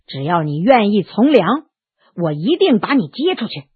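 A woman voicing an idle, doting official man in a storybook reading, his voice dropped low and drawling. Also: sing-song, moderate pace, slightly rough. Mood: coaxing. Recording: tinny narrow phone-like sound, dry.

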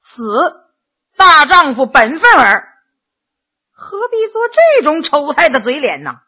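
女艺人扮演的傲慢不屈的落难太子. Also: female voice, sits high, wildly swooping pitch, takes it slowly, pushed and bright, full character voice. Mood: scornful. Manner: haughty, sneering. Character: proud captive young prince, scornful and defiant. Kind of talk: Chinese storytelling performance.

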